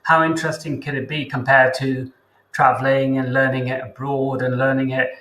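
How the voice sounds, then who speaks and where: A man who teaches English hosts a casual interview chat, talking in a chatty way and thinking aloud with pauses. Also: medium pitch, flat delivery, a bit bright, reverberant, rough recording.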